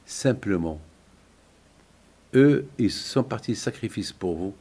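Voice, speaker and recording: A man's voice: on the low side, animated, slow pace, mellow, breathy edge. An older man, a rabbi, delivering an impassioned sermon-like eulogy, emphatic and repeating phrases for weight.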